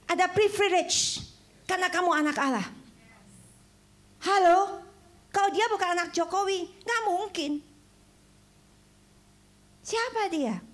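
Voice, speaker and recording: High-voiced animated woman preaching. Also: a little slow, pauses often. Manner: animated, mixes English phrases, rising to exclamations. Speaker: evangelist preacher. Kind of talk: sermon. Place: church.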